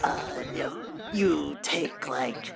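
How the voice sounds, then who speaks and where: A woman's voice: low voice, expressive, very slow, vocal fry. A woman in casual chat after a roleplay session, playful and teasing, often laughing. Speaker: roleplay group member.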